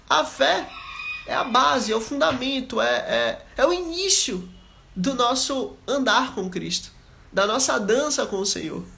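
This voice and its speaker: High, gravelly preacher man. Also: bright, forceful tone. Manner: repetitive, emphatic exhortation; conversational, addresses listeners directly. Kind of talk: live Bible study sermon.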